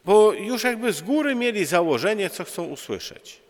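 A man, a religious brother, preaching a sermon in a conversational, storytelling way with pauses and fillers. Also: sits high, very animated, big-room sound. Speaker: priest or friar preaching.

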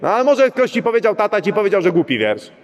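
Middle-aged male priest, high-pitched, preaches chattily to his flock with lots of rhetorical asides, reverberant church sound. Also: very animated, fast talker. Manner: talks directly to the congregation with frequent rhetorical "right?" asides. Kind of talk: conversational sermon.

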